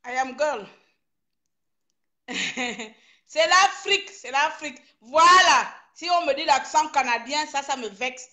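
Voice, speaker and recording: A woman's voice: high voice, animated, slow, sharp tone. A woman from Gabon speaking in a live social media rant. She scolds in a confrontational way and slips into broken English. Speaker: online activist.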